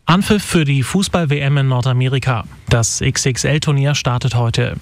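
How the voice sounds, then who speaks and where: A man reading the morning radio news bulletin in a steady, measured way. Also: mid-range voice, slight background noise. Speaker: newsreader.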